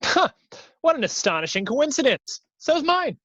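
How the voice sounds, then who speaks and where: Dull, dry lo-fi audio carries a woman playing a befuddled gentleman at a party. The voice swoops in pitch, stiffly polite and bemused, in a comedy sketch reading. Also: very animated, moderate pace, no room sound. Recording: dull, lo-fi video-call audio.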